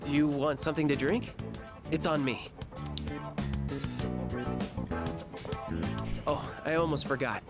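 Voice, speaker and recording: An actor playing a gentle, earnest, apologetic teenage schoolboy in an anime video game. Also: male voice, on the high side, fairly even intonation, a little fast, loud music behind the voice, lightly acted. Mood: reluctant, friendly.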